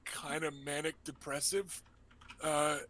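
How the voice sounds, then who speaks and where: A man's voice: on the high side, fairly even intonation, takes it slowly, bright, forceful tone. A man playing in a tabletop game, chatting and joking as he explains his character choices at length. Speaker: player. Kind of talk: casual chat, building a character.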